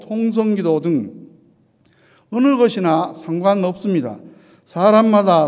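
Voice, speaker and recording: A man preaching an earnest sermon as pastor, his delivery moving from quiet to shouted lines. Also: high voice. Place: church sanctuary. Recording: long church reverb.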